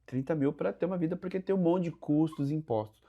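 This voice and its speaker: A Brazilian man with a Brazilian Portuguese accent hosts a casual podcast interview, his voice on the high side and heard at phone quality. He talks fast, reacts with exclamations and poses hypothetical questions.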